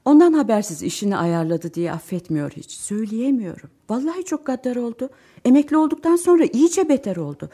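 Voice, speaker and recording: A woman's voice: on the high side, sing-song, a little fast, mellow. An actress playing an emotional, chatty middle-aged mother in a radio drama who swings between sighs and outbursts. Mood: worried. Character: fretful, warm-hearted middle-aged mother.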